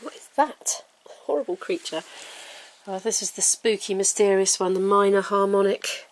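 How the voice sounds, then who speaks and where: A middle-aged woman living in Wales, a native English speaker, vlogs from home as she declutters, chatting wryly about her bits and pieces. She's chatty and self-mocking and breaks into little sung notes, her mid-range voice at normal speed on a low-quality recording.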